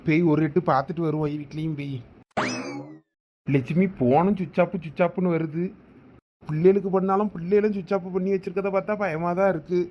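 A man's voice: a little high, lo-fi sound, natural voice. Man playing a fretting village husband. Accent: Thoothukudi Tamil. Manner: talking to himself, fretting. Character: anxious village husband searching for his wife.

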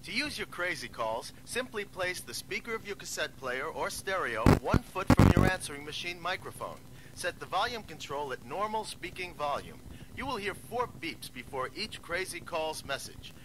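Guy reading instructions off old worn tape, lots of hiss, fairly high voice. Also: huge pitch swings, moderate pace. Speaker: announcer. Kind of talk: scripted instructions.

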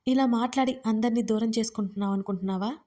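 A woman's voice: fairly high pitch, fast talker, natural voice. A woman narrator voicing a distraught young woman who pleads with and scolds her friend through tears. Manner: tearful, pleading, shouting.

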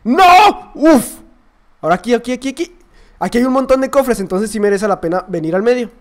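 Un joven con acento latinoamericano que comenta sus partidas con emoción, grita cuando pierde y murmura entre jugadas. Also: male voice, high voice, quick pace. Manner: excitable, yells at sudden deaths then drops to mutters. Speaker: gaming youtuber. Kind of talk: gameplay commentary.

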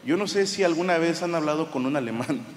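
A Mexican man with a Mexican Spanish accent, doing profane, animated stand-up storytelling on a live comedy stage. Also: a little high, fast. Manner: profane, animated, bursts into shouted punchlines. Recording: live hall reverb with audience noise.

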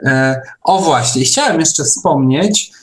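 A man talking casually in an online discussion, in a halting way with repeated and restarted phrases. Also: a little high, animated, a little hiss or hum. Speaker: discussion participant.

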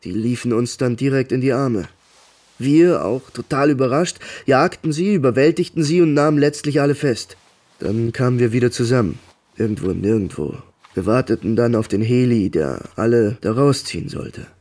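An actor playing a troubled ex-legionnaire in a radio play, telling his story in short, halting fragments. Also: medium pitch, darkish tone, natural voice. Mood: grave recounting. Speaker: actor in an audio drama. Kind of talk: naturalistic German radio play acting.

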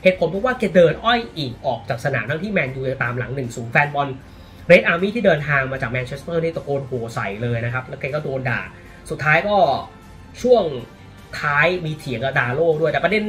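A man from Thailand giving casual, animated football commentary, often exclaiming, with faint music behind him. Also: on the high side, fast talker.

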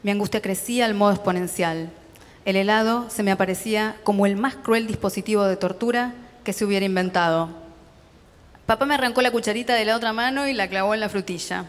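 Argentine-accented woman reading a story aloud, steady and expressive, mid pitch, long reverb. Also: a little fast. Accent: Rioplatense Spanish. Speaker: reader at a literary festival.

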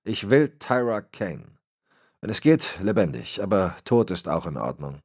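A man voicing a frail, cold old crime boss who gives orders in a raspy voice. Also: fairly low pitch, big pitch swings, unhurried, a little mellow, voice pushed up. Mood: icy. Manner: cold, commanding. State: raspy, cracking voice.

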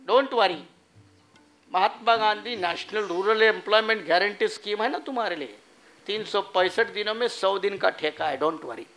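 A public speaker with a high, pushed and bright voice gives a lecture at normal speed, asking the crowd rhetorical questions and mocking the people he quotes. Faint music plays behind him.

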